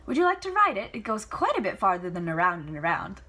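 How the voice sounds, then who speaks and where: A woman's voice: mid-range voice, big pitch swings, fast, bright, forceful tone. A woman voicing a defiant, sarcastic young woman magician in a storybook reading, emphatic and challenging. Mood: proud, playful.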